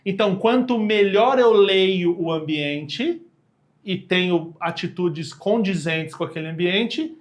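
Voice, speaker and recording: A man's voice: high-pitched, slow. A man with a Brazilian accent, a podcast guest chatting casually in a slangy way and acting out quoted lines. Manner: slangy, acts out quoted dialogue in voices. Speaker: podcast guest, communication expert.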